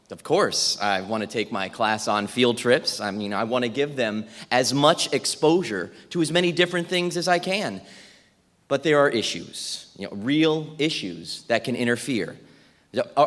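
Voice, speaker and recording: A man playing an overworked, well-meaning fourth-grade teacher in a theatrical monologue, halting and emphatic, with asides. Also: medium pitch, a bit bright, lightly acted. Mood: brisk, herding. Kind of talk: theatrical monologue, dramatic stage reading. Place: reverberant indoor hall at a live reading. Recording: echoey hall, music behind.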